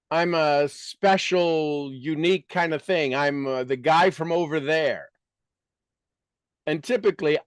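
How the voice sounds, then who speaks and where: Higher-pitched man giving an emphatic coaching talk. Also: no echo, studio quality. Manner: rhetorical questions, repeats phrases for emphasis. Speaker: business coach and speaker. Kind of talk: motivational business talk.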